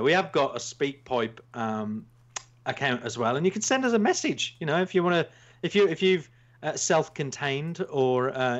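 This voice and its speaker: A male podcast host with a Black Country accent and an average-pitched voice. He chats casually and rambles along with jokey self-mockery. The sound is a little lo-fi and muffled. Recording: slightly dull, lo-fi sound.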